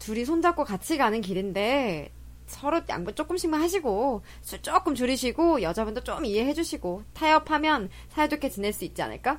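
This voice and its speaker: In a Jeolla accent, a woman speaks at a high pitch with very wide pitch swings. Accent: Jeolla dialect Korean. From Jeolla region, South Korea. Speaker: radio host. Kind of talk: casual chat.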